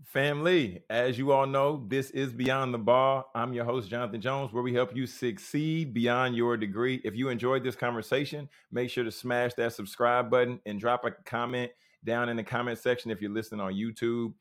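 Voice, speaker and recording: Male podcast host, average pitch, relaxed informal interviewing with doubled short phrases. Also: normal speed, hardly any pauses. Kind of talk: casual podcast interview and sign-off.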